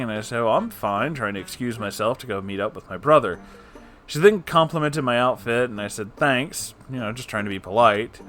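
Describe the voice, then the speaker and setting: A man hosting a story-reading channel, reading online posts aloud and adding animated, casual, joking asides. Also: medium pitch. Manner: animated, jokey, informal asides.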